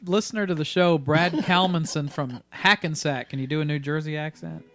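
Brief: male podcast co-host, slightly high voice, loose rambling chat, dry close mic. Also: normal speed, a bit bright, no echo, soft background music. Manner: rambling, laughs easily, many fillers. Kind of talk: casual chat.

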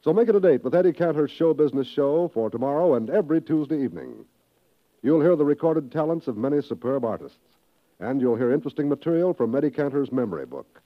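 American guy, formal 50s radio announcer, highish voice, dull old recording. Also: sing-song, fast talker.

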